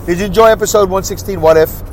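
A stuffy-nosed, congested man hosts his own podcast while driving in traffic, rambling solo in a casual, self-deprecating way. His voice is high, fast, and a little mellow, and the audio is poor.

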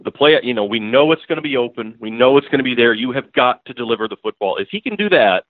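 A man's voice: mid-range voice, lively intonation, fast, dry recording. A man, a newspaper beat writer, talking as a podcast guest in a blunt, emphatic way that keeps hammering the same point. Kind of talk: casual podcast interview. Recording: tinny phone line.

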